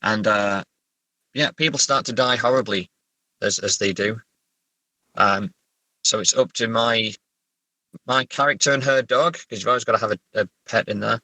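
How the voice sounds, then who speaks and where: A man from England chatting casually as an interview guest, halting and self-correcting, with a wry way of telling stories. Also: lowish voice, bright, forceful tone, dry recording, low-quality recording. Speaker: horror novelist and therapist guest. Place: sitting in a parked car.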